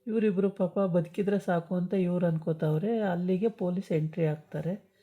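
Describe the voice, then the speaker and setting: A woman's voice: on the low side, fairly even intonation, moderate pace. A woman chattily retelling a TV serial episode, with many hesitation sounds. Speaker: storyteller recapping a TV serial. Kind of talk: casual story retelling. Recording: dull lo-fi recording.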